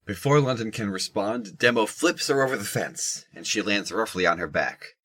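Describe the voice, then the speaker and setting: Deep, husky male narrator. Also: animated, moderate pace, a bit bright. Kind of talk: scripted audio drama narration.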